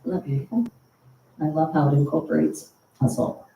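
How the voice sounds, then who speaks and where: Mellow-voiced woman hosting a church service. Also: sits low, lively intonation, a little fast. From United States. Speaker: service host. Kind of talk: church announcements and welcome. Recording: roomy, distant mic with faint hum.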